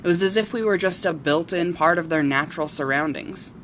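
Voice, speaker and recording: A woman acting as a sincere local television reporter in a radio drama. Her delivery is measured and story-like, with faint noise on the homemade recording. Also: fairly low pitch, fairly bright tone, natural voice. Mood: nostalgic. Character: sincere female local TV reporter who loves wild creatures. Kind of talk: amateur audio drama dialogue.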